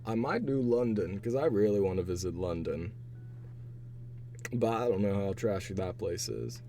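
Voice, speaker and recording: A young man streaming casual chat while he takes online quizzes. His voice is hoarse and raspy, and he rambles with a chatty manner. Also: on the low side, normal speed, mellow, a little hiss or hum. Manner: chatty, rambling, laughs to himself. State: hoarse, voice partly gone.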